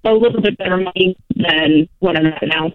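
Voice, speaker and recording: Young woman calling in over the phone. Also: lowish voice. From Florida. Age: 20s. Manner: hesitant, halting. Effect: over the phone line. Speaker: caller. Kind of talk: call-in advice talk. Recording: tinny dry phone line.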